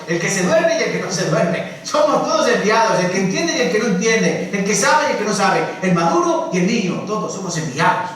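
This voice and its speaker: A man preaching a Sunday sermon in a lively way, dropping to soft asides and rising to loud calls, acting out quotes. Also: sits high. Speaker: pastor. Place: church hall. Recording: echoey church room from far off.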